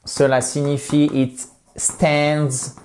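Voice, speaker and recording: Man teaching English slowly. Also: fairly high pitch. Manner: lively, drawn-out slow drills of English phrases. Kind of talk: online language lesson.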